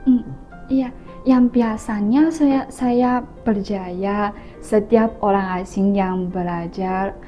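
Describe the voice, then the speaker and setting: Young chinese woman, mandarin native, halting foreigner indonesian, slow, kinda muffled recording w music. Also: medium pitch, steady tone. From China. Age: young adult. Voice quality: difficulty rolling the R. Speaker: student guest. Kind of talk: interview answers.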